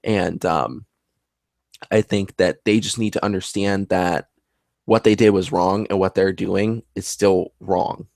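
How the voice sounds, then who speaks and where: Gravelly low-voiced man, earnest. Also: steady tone, measured pace, darkish tone, no room sound, clean studio sound. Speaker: paranormal investigator. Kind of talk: casual conversation.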